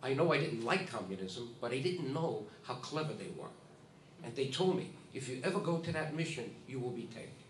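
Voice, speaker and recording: A man's voice: mid-range voice, lively intonation, brisk. Man speaking emphatically in an echoey hall. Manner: emphatic, repeats himself, talks to the audience. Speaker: award ceremony speaker. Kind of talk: informal speech at a ceremony. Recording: echoey hall, distant mic, faint hiss.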